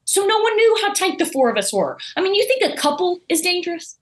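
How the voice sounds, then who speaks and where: A woman's voice: extremely high pitch, fast, echoey room, poor audio. A woman, a former contestant recounting her game in a casual exit interview and acting out the dialogue. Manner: animated storyteller, acts out quoted dialogue. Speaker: eliminated contestant guest.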